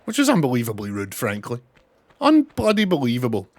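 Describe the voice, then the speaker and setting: A young man from Scotland with a mild Scottish accent, chatting excitably through a casual game stream, thanking followers and swearing now and then. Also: mid-range voice, fairly quick, no room sound. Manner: chatty and excitable, swears, reads out chat names. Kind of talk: casual live-stream gameplay chat.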